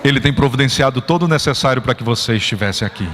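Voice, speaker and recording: A man preaching a sermon as a pastor, telling a story and rising into fervent, shouted praise. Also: mid-range voice, racing, a little hiss or hum. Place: church. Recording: church hall reverb, faint ambience.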